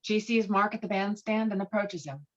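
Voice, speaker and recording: A woman's voice: mid-range voice, moderate pace. A woman reading stage directions as scripted narration for a table read. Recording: dull, lo-fi online call audio.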